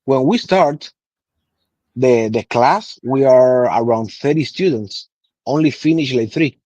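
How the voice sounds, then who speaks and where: A man's voice: medium pitch, slow pace, no echo. A man in his thirties from Cuba with a Cuban Spanish accent and Spanish as his first language, telling stories in an interview with many restarts. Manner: animated storytelling with many restarts. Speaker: guest, cigar master blender. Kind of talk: casual interview. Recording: slightly dull lo-fi sound.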